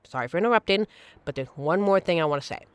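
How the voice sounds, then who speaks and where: A woman's voice: lowish voice, expressive, quick pace, clean tone, no echo, natural voice. A woman playing a supportive, playful young queer friend in an audio roleplay, talking casually and earnestly to reassure the listener. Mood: soft, serious.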